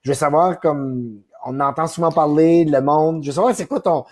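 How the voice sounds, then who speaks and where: A man's voice: fairly high pitch, moderate pace, a little mellow. A man hosting a live show, asking long, winding questions and reading out viewer comments. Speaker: host.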